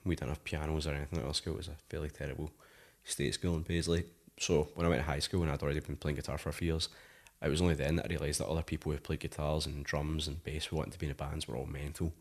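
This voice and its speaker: A man's voice: a bass voice, little pitch movement, fast, gravelly, hardly any pauses, darkish tone. A Scottish man in his thirties, a musician guest talking casually in an interview, rambling with lots of "like" fillers. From Scotland.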